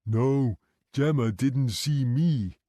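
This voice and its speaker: A man's voice: medium pitch, slow pace, warm tone, no room sound, clean studio sound, close to an everyday voice. A man voicing a childlike adult male care home resident who speaks in short, blunt, mischievous phrases. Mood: cheeky.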